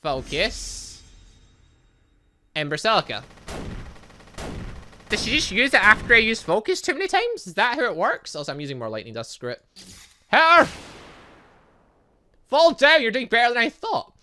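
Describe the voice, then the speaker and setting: An excitable man commentates over a video game as its host. His voice is bright and forceful, and his pitch jumps around a lot. He breaks into exclamations, then drops into muttered asides. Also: a little slow, pauses often, a little hiss or hum. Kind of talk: let's play commentary, reading game text aloud.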